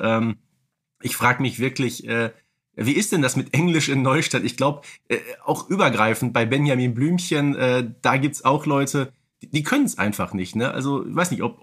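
A man's voice: mid-range voice, normal speed, fairly bright tone, slightly rough. A man co-hosts a casual fan podcast. He speaks conversationally, with wry, mock-serious and slightly pedantic wording. The delivery is that of a humorous discussion between fans. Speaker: podcast host.

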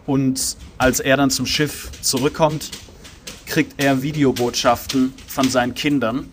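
A man's voice: medium pitch, flat delivery, measured pace, faint music behind. A man co-hosting a podcast, telling a film plot in a rambling casual chat with many fillers. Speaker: podcast co-host.

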